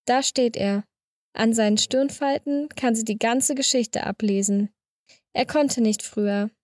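A woman narrating a short story in a calm, measured reading voice on a close studio mic. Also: on the high side, dry recording. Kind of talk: scripted narration.

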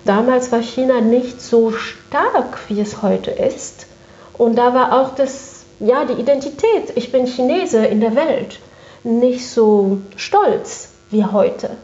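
Echoey, higher-pitched woman in an interview. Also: slow pace, darkish tone. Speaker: interview guest. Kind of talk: conversational interview, recounting work experience. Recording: echoey room, dull muffled sound.

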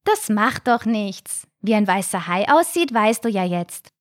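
A woman voicing a gentle little great white shark child, explaining himself earnestly and eagerly. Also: medium pitch, sing-song, a little slow, no echo, clean studio sound. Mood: kind, confiding.

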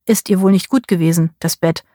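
A woman's voice: lowish voice, fairly even intonation, fairly quick, warm tone, no echo, studio quality, natural voice. A woman voicing a grumpy male innkeeper in an audiobook, curt and grumbling. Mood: gruff.

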